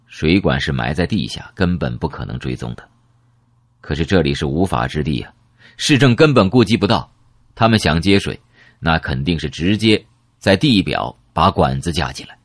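Man telling a story with lively delivery. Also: low-pitched, normal speed, dry recording, clean studio sound. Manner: vivid, expressive storytelling. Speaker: audiobook narrator. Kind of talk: dramatic first-person novel narration.

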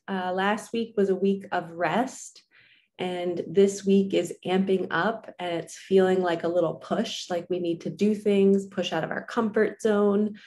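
Woman, thirties, medium pitch, unhurried slow delivery, soothing, spiritual affirmation guide. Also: warm tone. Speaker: spiritual channel host. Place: small furnished room indoors.

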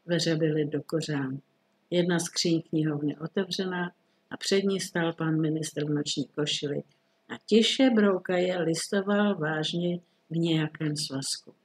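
A woman calmly narrating a classic short story as an audiobook reading, measured and even. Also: low-pitched.

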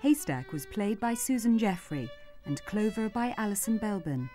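A woman's voice: mid-range voice, animated, normal speed, warm tone, faint music behind. A British woman reading scripted closing credits as a radio announcer.

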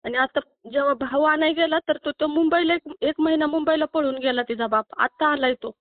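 Calling for help on a tinny, dry phone line, a Maharashtrian woman speaks briskly in a high-pitched voice with no room sound. Upset and tearful, she pleads her complaint and keeps adding questioning tags.

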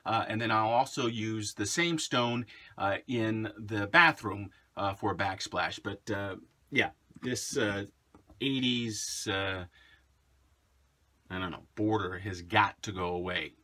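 Inside a parked motorhome, a vlogger in his forties talks casually to the camera in a lowish voice at a slow pace. Recorded on a close-range camera mic, he's relaxed, uses many "uh" fillers and signs off upbeat.

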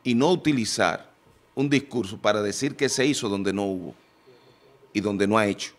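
A man in a TV studio panel, talking into a desk microphone, pressing his point with forceful questions. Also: lowish voice, normal speed. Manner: emphatic, rising to forceful questions. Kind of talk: heated political panel debate.

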